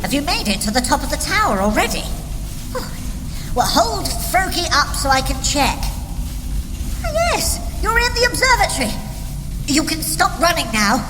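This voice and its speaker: An actress playing an excitable woman guide in an audio drama, giving urgent, exclamatory instructions. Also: sits high, moderate pace, long pauses. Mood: urgent, instructing. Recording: long reverb with clear background noise.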